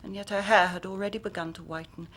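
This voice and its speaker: An actress playing a grave young Victorian woman who tells her story in measured, formal speech, sometimes dropping to a hushed whisper. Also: mid-range voice, steady tone. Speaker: client telling her story. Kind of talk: period radio drama acting.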